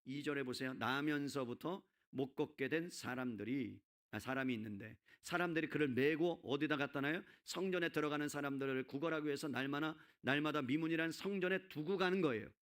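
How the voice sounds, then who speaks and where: A man's voice: on the high side, brisk, few pauses, fairly bright tone. A male pastor delivering a Sunday sermon, often calling out to the congregation and voicing a character's inner thoughts. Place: church sanctuary.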